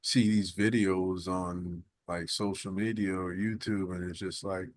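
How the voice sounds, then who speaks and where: Podcast guy, lowish voice, kinda unsure, dry close sound. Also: little pitch movement, measured pace, no echo. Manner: hesitant, rambling musing. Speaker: podcast co-host. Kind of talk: casual chat.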